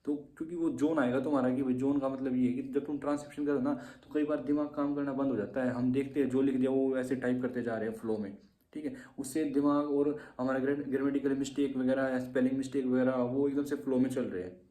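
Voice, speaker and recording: Coaching shorthand exam students in a casual tips session, this man repeats "theek hai" out of habit and tends to go over things again. His mid-range voice is level and dark, and he talks fast in a roomy-sounding space.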